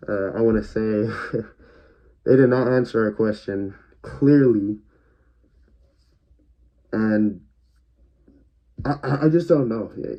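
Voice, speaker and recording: A man's voice: fairly low pitch, dark tone. A man giving a casual spoken movie review, hesitant and stuttering, with many fillers. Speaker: film reviewer. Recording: dull lo-fi recording.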